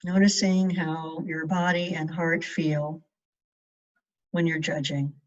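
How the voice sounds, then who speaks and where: A woman leading a guided meditation in a measured way, leaving long pauses between short phrases. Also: low voice, little pitch movement. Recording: distant mic, dull muffled sound.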